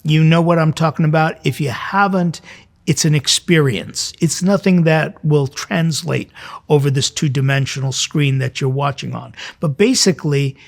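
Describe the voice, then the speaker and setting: A man's voice: fairly high pitch, moderate pace, vocal fry. A man hosting a church programme as a priest, talking informally and explaining things directly to his viewers in a conversational way.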